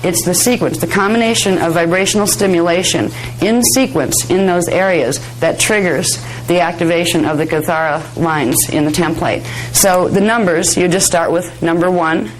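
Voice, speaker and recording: A woman with a slightly hoarse, raspy voice giving an informal workshop lecture in a chatty, conversational manner. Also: on the low side, normal speed, hardly any pauses, a little hiss or hum, rough recording. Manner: conversational, chatty, self-deprecating asides. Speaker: workshop instructor. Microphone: worn or held microphone close to the face.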